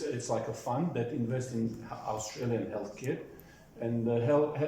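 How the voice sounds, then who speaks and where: A man, a company CEO, answering audience questions at a forum, halting and full of fillers and restarts. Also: mid-range voice, mellow, slight background noise. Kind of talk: panel Q&A answer. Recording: very echoey hall.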